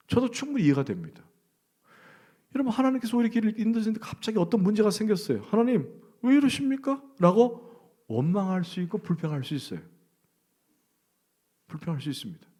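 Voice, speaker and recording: Male pastor, middle-aged, mid-pitched; conversational sermon, loud stresses and soft asides. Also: husky. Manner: conversational preaching, quizzes the congregation with questions; swings between loud emphasis and hushed near-whisper.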